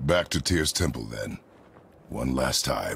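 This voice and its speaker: A man puts on a raspy character voice, pitched very deep and low. He delivers it at a fairly slow pace. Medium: video game. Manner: terse, low, measured.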